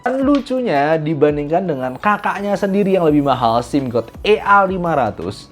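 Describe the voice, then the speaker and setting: A man from Indonesia giving a casual, animated spoken review of audio gear, mixing in English phrases. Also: fairly high pitch, moderate pace, faint music behind.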